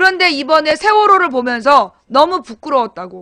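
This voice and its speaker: A woman speaks in a high, bright, sharp voice. Her delivery is animated, with lively intonation. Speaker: political commentary streamer. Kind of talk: casual political talk show. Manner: fast.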